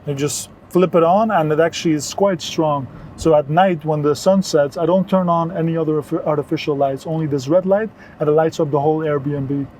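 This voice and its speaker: Higher-voiced mellow man from Belgium, explaining earnestly. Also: brisk, few pauses, slight background noise, low-quality recording. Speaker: interview guest, wellness entrepreneur. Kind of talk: conversational health advice.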